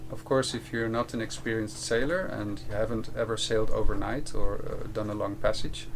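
A low-voiced man in his forties talks through his experiences as an interview guest, in a measured way with frequent pauses. There is a gravelly creak in his voice. He is recorded outdoors on a boat with clear ambient noise around him. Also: little pitch movement. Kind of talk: unscripted interview storytelling. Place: outdoors in a sailboat cockpit at anchor.

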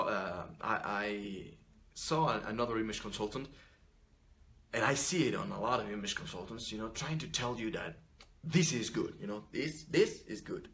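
A man in his thirties, an English speaker, rants to camera with a mid-pitched voice. He talks in an animated, blunt way, swearing freely and restarting sentences. He sits in a small room close to a desk mic. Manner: animated, blunt and profane, with many restarts and "you know". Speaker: image consultant. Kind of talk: unscripted vlog rant to camera. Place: small furnished room indoors.

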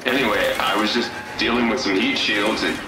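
An actor playing a sarcastic, irritable worker trapped in a robot in a video game. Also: male voice, on the low side, steady tone, moderate pace, lightly acted. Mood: matter-of-fact. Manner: sarcastic, exasperated. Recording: echoey, loud music underneath.

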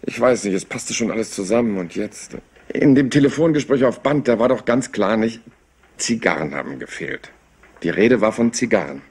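An actor playing a rumpled, apologetic yet stubbornly probing police inspector in a German crime drama, hesitant and folksy. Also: male voice, on the low side, animated, moderate pace, a little mellow, slightly rough. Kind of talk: German crime drama dub, conversational acting.

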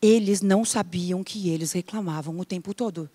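A middle-aged woman coach, giving an animated motivational talk and acting out everyday complaints. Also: lowish voice, no echo. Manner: animated, acts out complaints in quick mock voices. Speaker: coach and teacher.

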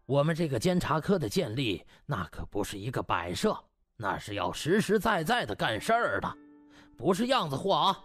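A man's voice: a little high, very animated, normal speed, fairly bright tone, no echo, clean studio sound, soft background music. A man voicing a shrewd older party official in an audiobook, giving pompous, emphatic speeches. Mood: stern, official. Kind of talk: audiobook character acting.

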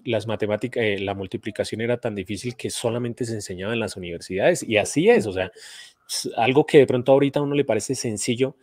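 A man's voice: lowish voice, quick pace, a little mellow, dry recording, studio quality. A middle-aged man, a math teacher and video host, talking casually and earnestly on a live stream. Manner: earnest, advising, with restarts. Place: home studio. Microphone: studio mic on boom arm, headphones.

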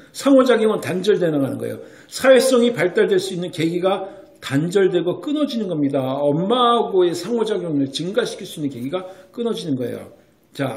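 High-voiced man lecturing in an echoey room. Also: a little mellow. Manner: emphatic, keeps asking rhetorical checks like "right?". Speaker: Korean medicine doctor explaining child development. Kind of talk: explanatory talk to parents.

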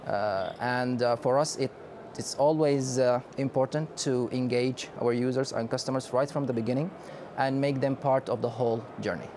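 A man in his thirties from Sudan, a company director answering questions in a conference interview, speaking in a measured way with frequent hesitations. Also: mid-range voice, steady tone, background noise. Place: exhibition booth studio set.

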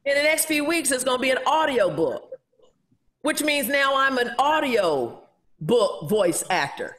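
A middle-aged woman hosting a casual video call chat from home, lively and exclamatory, calling out to guests directly. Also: high-pitched, a little slow. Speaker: host. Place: home room with bookshelves.

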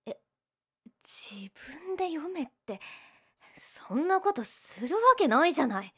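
A woman's voice: on the high side, animated, a little slow. A young woman playing a teasing, prickly, secretly lovestruck tsundere childhood friend in a romantic audio drama. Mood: flustered, indignant. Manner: bratty teasing, flustered, emotive.

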